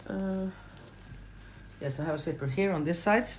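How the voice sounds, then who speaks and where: A woman's voice: lowish voice, normal speed, darkish tone. A woman in her forties with an Icelandic accent, giving a casual, chatty how-to tutorial and rambling with fillers and self-corrections. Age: 40s. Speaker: crochet pattern designer.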